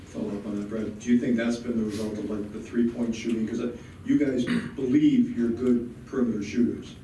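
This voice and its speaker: A man's voice: medium pitch, fairly even intonation, a little fast, mellow. A male sports reporter asking informal, teasing questions at a postgame press conference. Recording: echoey room, distant mic, background noise.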